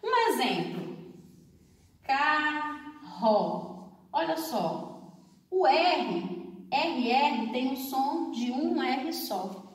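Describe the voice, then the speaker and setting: A woman with a Brazilian Portuguese accent, a primary school teacher, slowly explaining a grammar lesson for children and enunciating each word with care. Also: high-pitched, lively intonation. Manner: slow, drawn-out, over-enunciated explanation with frequent check-ins. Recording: echoey room, distant from the mic.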